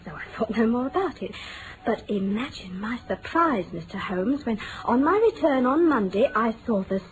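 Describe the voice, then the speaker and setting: A woman's voice: on the high side, expressive, moderate pace, natural voice. An actress playing a genteel, anxious young Englishwoman in a vintage radio drama, telling things with hesitant, dramatic phrasing. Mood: earnest, uneasy. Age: young adult. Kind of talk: 1940s radio drama acting. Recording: noisy vintage radio broadcast.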